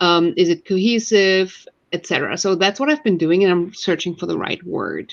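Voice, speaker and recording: A woman of medium pitch speaks with a non-native accent. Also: ordinary pitch variation, moderate pace. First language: not English. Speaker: book YouTuber. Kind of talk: casual chat. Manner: hesitant, many fillers.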